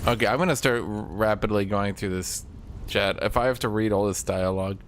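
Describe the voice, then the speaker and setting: A man's voice: lowish voice, fairly even intonation, brisk, a little hiss or hum. A man streaming a game with casual live commentary, griping and swearing in exasperation. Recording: game music behind the voice. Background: video game music.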